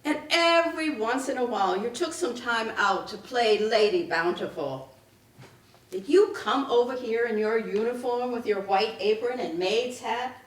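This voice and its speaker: A woman's voice: a little high, moderate pace, lightly acted. A woman performing a dramatic reading as a defiant, grieving Black daughter of a Southern maid, with biting sarcasm and emphatic delivery. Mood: angry, accusing. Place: indoor live reading at a public library. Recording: echoey room, picked up from a distance.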